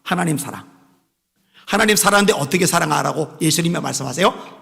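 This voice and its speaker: Impassioned high-voiced preacher, gravelly. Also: male voice, quick pace, in a large hall. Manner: impassioned preaching with swings between soft pleading and raised exhortation. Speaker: pastor. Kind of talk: sermon.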